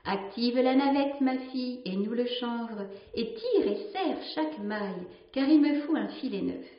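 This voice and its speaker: A woman's voice: fairly high pitch, lively intonation, unhurried. Stern old fisherman father, read by a woman. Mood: commanding. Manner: commanding, solemn. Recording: roomy, slightly dull recording.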